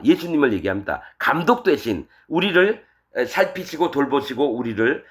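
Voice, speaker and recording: A middle-aged male pastor preaching a verse-by-verse Bible sermon, acting out masters and servants in quoted voices. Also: medium pitch.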